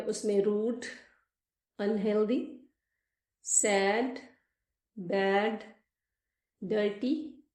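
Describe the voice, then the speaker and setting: A woman teacher with a Pakistani accent and a mellow, warm voice explains a lesson step by step. She talks slowly and deliberately and mixes in English terms. The echoey room carries her voice. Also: medium pitch.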